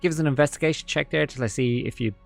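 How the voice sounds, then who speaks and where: A man narrating as game master, talking in a halting way full of fillers and restarts. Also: fairly high pitch, creaky, faint music behind.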